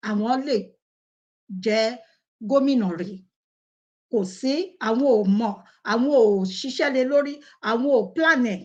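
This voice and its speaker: Nigerian woman hosting, slightly high voice. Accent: Nigerian Yoruba. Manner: conversational, addresses viewers by name. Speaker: talk show host. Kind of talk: casual talk show commentary.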